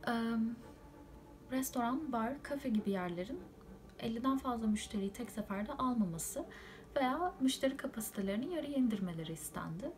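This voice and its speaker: Young woman, from Turkey, slightly high voice, informative update, explanatory, hesitation sounds between points. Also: lively intonation, brisk, darkish tone. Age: young adult. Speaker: student living abroad.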